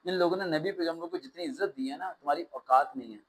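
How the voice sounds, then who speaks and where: A man teaching a test-prep class, lecturing in an animated way with sarcastic, ranting asides. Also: a little high, quick pace, breathy edge, poor audio.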